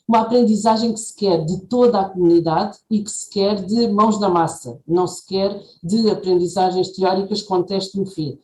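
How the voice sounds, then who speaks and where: A woman's voice: medium pitch, moderate pace, hardly any pauses, warm tone. A woman speaking as a panelist on education in a webinar, with frequent fillers and restarts. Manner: talks with many fillers and restarts. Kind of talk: webinar talk. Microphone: video call. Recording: echoey video call with faint background noise.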